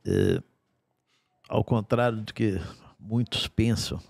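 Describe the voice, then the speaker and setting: A man in his sixties, a guest in a podcast studio, telling stories from his life in an unhurried, wry way with dry asides. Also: fairly low pitch, vocal fry, darkish tone, no room sound. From Brazil. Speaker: guest singer-songwriter. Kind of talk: storytelling in a podcast interview. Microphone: studio mic on a stand.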